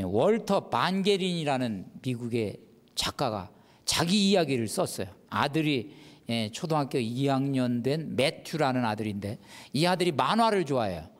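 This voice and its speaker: A man's voice: mid-range voice, big-room sound. A man, a Catholic priest, giving a televised lecture on prayer and acting out the quotes in it. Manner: animated, acts out quotes.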